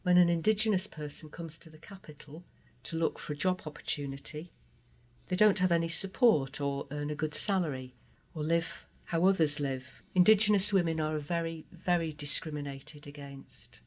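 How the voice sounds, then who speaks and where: A trans woman from Guatemala, a native Spanish speaker, telling her life story in an interview with an earnest, heartfelt, measured manner. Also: low-pitched, darkish tone. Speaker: interview guest. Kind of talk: personal testimony interview.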